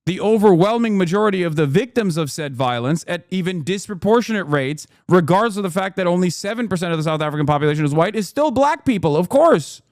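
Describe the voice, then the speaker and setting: A man with a notably high voice hosts a livestream, reacting with sarcastic, profane and animated commentary. He is close to the mic and sounds dry, with no room around him. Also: quick pace, few pauses, dry recording. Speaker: livestream host.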